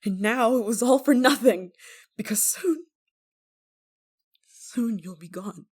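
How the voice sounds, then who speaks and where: A woman acting an obsessive, guilt-ridden lover in an ASMR roleplay monologue, with halting, pleading, stammering delivery. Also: on the high side, a little mellow. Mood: bitter, sorrowful.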